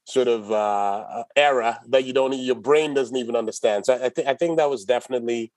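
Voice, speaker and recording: A middle-aged man talks easily about his past as an interview guest, restarting his sentences and laughing now and then. His voice sits at an ordinary pitch and sounds close and dry, with no room around it. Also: fairly quick, no room sound. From Ghana. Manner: relaxed storyteller, many restarts and laughs. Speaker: guest, company executive. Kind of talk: casual interview talk.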